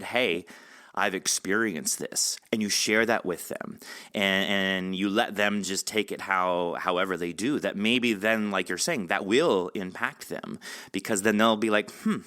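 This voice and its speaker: A man's voice: fairly low pitch, sharp tone, no room sound, studio quality. A man hosting a podcast interview, talking casually in an emphatic, opinionated and encouraging manner. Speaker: podcast host.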